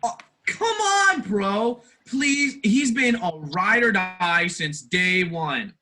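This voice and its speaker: A man's voice: high-pitched, animated, takes it slowly, sharp tone, slight background noise, exaggerated voice. A man playing a cocky, oblivious frat-boy husband in a comedy sketch, swaggering in bro slang. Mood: cocky, rowdy. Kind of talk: comedy sketch staged reading.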